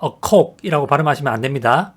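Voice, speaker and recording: A teacher narrates a travel English lesson in a patient, repetitive way. The voice sits at an ordinary middle pitch and asks the viewer questions as it goes. Each English example sentence is read out slowly and with care. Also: expressive, slightly rough.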